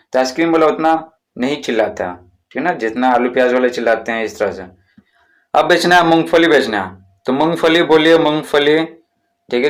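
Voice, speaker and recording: A male teacher explaining a lesson, chanting street-vendor calls as examples and often checking in with "okay?". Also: medium pitch. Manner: chants vendor calls, keeps saying "theek hai". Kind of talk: classroom-style explanation.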